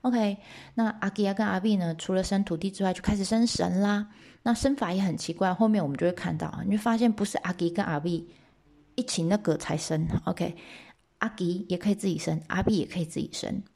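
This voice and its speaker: Woman, storytelling lesson, gravelly, dark mellow voice, chatty asides. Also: mid-range voice, a little fast. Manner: lively, chatty, frequent asides to listeners. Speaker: teacher.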